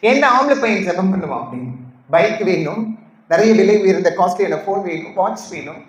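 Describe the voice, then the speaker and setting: A woman's voice: mid-range voice, expressive, brisk. A trans woman preacher giving an emotional testimony to a congregation, pleading and asking the audience questions. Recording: echoey hall.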